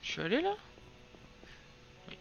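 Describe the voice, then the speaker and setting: A woman's voice: unhurried, highs cut off. A woman streaming a game with casual commentary, soothing a crying child between remarks.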